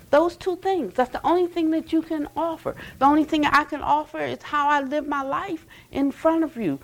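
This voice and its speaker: An older woman teaching at a retreat center, telling stories in an animated, conversational way, full of restarts and "you know". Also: sits high, poor audio. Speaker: Buddhist teacher. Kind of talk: dharma talk. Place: retreat center meditation hall.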